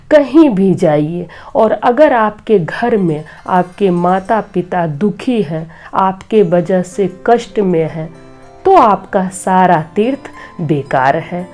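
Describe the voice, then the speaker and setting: Middle-aged woman host, slightly hoarse, low mellow voice, slow earnest preaching, faint music under. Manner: earnest, preachy, gently advising. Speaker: devotional storyteller and channel host. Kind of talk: moral talk and devotional storytelling.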